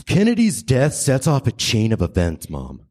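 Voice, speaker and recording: A man's voice: medium pitch, huge pitch swings, normal speed, dark tone. A man playing an earnest, urgent grown son from the future in a staged radio play parody, declamatory in his explanations. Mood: earnest explaining.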